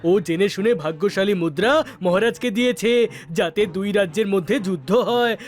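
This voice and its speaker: A man's voice: high-pitched, normal speed, soft background music, natural voice. A man playing an emphatic palace spy who poses as a dance teacher in a children's cartoon. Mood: earnest, conspiratorial. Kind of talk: dubbed children's cartoon acting.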